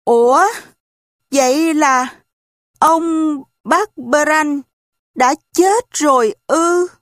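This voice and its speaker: A woman doing a worried, begging young boy, pitched high, for a storybook reading. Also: very slow, no room sound, clean studio sound. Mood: anxious. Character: anxious young boy searching for his family. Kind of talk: audiobook character voice.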